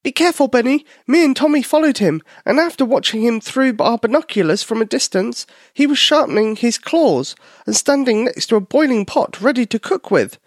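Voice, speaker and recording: A man voicing a small, frightened young mouse who talks high and excitedly in a storybook reading. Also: brisk, few pauses, no echo, studio quality, heavily acted. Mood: anxious.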